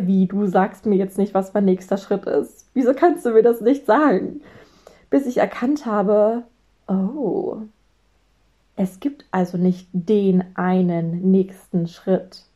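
A woman in her late twenties, a business mentor, talking reflectively to her audience and acting out her own anxious inner voice with sudden high exclamations. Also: takes it slowly, mellow. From Germany. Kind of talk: reflective solo talk.

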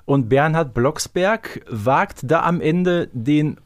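A man's voice: a little high, animated, slow, no echo, clean studio sound. A man co-hosting a podcast in casual conversation. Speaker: podcast co-host. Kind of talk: casual chat.

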